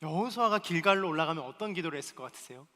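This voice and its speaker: A male pastor preaching a sermon, moving between loud emphatic pleas and soft hushed asides. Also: fairly high pitch, animated, very fast, big-room sound. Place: church hall.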